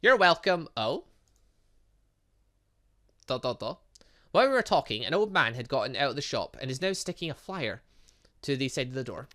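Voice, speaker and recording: A man's voice: medium pitch, sing-song, normal speed, pauses often, fairly bright tone. A man doing a let's play, reading visual novel dialogue aloud expressively, often stumbling over words and adding side comments. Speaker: gaming channel host.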